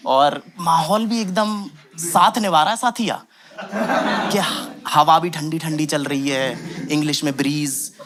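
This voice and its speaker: A young man performing a stand-up comedy set, telling a story with animated acted quotes. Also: on the high side, takes it slowly, a loud crowd. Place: comedy club stage with audience. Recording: loud background noise.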